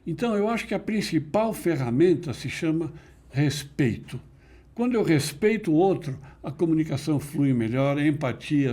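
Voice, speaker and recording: A middle-aged man being interviewed, explaining ideas in a measured, didactic way with emphatic stresses. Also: fairly high pitch, warm tone. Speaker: interview guest, NLP teacher. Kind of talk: conversational explanation.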